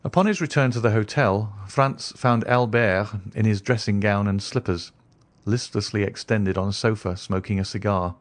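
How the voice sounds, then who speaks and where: A man's voice: on the low side, steady tone, moderate pace, no room sound. A man reading literary narration for an audiobook in a scripted, storytelling style.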